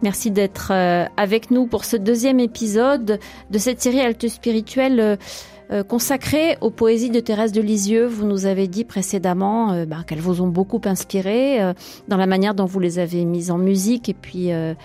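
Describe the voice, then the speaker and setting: A woman hosting a spiritual radio interview, asking questions in a gentle, hesitant way. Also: mid-range voice, normal speed, soft background music. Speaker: radio host.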